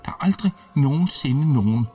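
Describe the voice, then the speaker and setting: A man voicing a feverish, delirious army major who pleads and shouts in agitation. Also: on the high side, lively intonation, far from the mic, voice pushed up, lightly acted. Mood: frantic.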